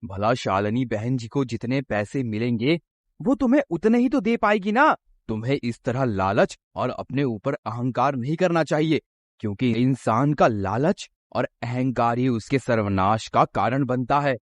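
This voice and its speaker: A man's voice: mid-range voice, lively intonation, unhurried, no room sound, natural voice. A man voicing a sensible farmer husband in a cartoon story who warns and lectures his wife. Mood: scolding. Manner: lecturing, cautioning.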